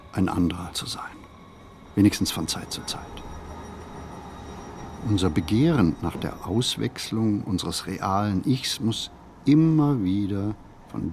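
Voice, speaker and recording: A low male voice gives the inner monologue of a brooding city flaneur. He phrases deliberately and reflectively, observing everything around him as in a literary radio play. Clear ambient noise sits behind the voice. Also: a little mellow, exaggerated voice. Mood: brooding, grave.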